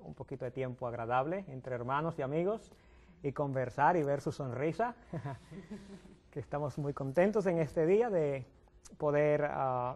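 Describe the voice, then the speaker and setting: A man's voice: mid-range voice, darkish tone. A young man, a youth pastor, hosting a Christian talk show in a studio and speaking to viewers at home, often restarting his words. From Dominican Republic.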